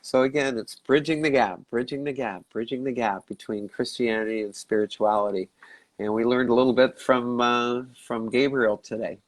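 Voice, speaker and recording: A man hosting a live stream in casual chat, congested from a cold, rambling and halting as he searches for words. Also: mid-range voice, steady tone, dry recording. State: stuffy nose and cough from a cold. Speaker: livestream host. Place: his home in Mexico.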